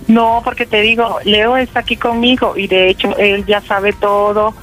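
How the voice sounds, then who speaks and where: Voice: medium pitch, level tone, a bit bright, faint music behind, close to an everyday voice, low-quality recording. Someone playing a hesitant trans woman. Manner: halting, filler-heavy. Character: young trans woman calling her mother, nervous. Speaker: prank caller. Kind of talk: prank phone call role-play.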